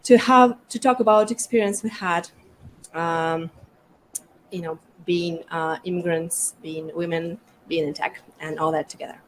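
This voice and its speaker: Seorang wanita dari Ukraina memandu diskusi panel dengan banyak jeda dan kata pengisi. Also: female voice, lowish voice, steady tone, measured pace, slight background noise, rough recording. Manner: hesitant, many fillers. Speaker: panel moderator. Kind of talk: conversational panel hosting.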